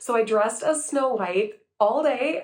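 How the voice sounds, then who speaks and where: A woman's high voice at a fairly slow pace, animated in tone, with ordinary pitch variation. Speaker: home renovation vlogger. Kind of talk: casual vlog narration.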